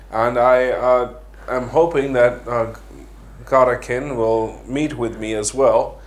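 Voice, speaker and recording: A man speaks very slowly at medium pitch in a monotone, flat way. Noticeable background noise and audible room echo fill the recording. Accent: American. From Iowa, US Midwest. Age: 20s. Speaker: guest. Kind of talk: casual conversation.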